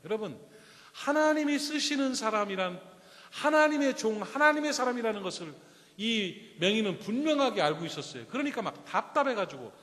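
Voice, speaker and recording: A man's voice: high voice, sing-song, a little fast, a bit bright. A man preaching a Sunday sermon, telling a story and asking his congregation direct questions. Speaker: pastor. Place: church sanctuary. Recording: reverberant church hall.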